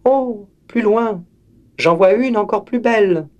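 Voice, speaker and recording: A man's voice: high-pitched, slow, a little mellow, muffled recording, pitched above the performer's own voice. A man voicing a timid, sweet little girl in a red hood in a storybook reading, in a raised, wide-eyed voice. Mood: musing.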